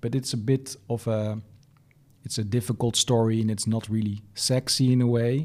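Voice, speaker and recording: In a very clean recording with a silent background, a man with a Dutch accent speaks at a moderate pace in a dark, mellow tone at a medium pitch. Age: 40s. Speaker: milk sommelier and farmer. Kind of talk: interview. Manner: halting.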